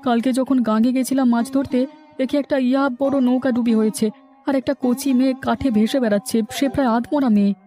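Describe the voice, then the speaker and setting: Earnest cartoon fisherman male actor, deferential village servant with a warm, mellow tone over music. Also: very high voice, steady tone, fairly quick. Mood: earnest, sorrowful. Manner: deferential, explanatory. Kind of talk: animated cartoon story acting. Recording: music bed under the voice.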